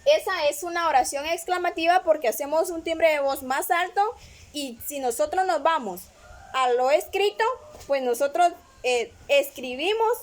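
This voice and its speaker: A woman teaches a grammar lesson in a patient, measured way. Her voice sits high, and she talks slowly, pausing often to check that her students follow along. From Guatemala. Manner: patient, repeats "¿verdad?" often. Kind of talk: classroom lesson explanation.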